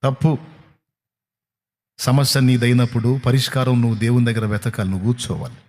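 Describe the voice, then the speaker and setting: A man preaching a sermon at a night prayer service, asking rhetorical questions and swinging his pitch widely for emphasis. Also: little pitch movement, brisk, a little mellow. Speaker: pastor. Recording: long hall reverb.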